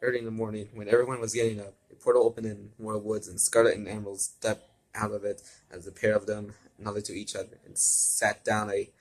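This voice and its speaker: Low voiced guy reading fanfic out loud, trips on words and repeats himself, throws in little comments. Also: little pitch movement, a little fast, poor audio. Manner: stumbles over words, repeats and corrects himself. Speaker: fan fiction reader. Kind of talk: amateur story read-aloud with asides.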